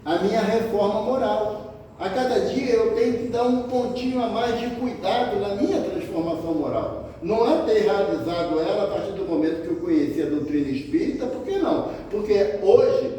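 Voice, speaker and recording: Man, Brazilian Portuguese accent, spiritist lecture, mellow high voice, echoey hall, heard from afar. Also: animated, moderate pace, slight background noise. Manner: poses rhetorical questions to the audience. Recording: echoey hall, distant mic, faint ambience.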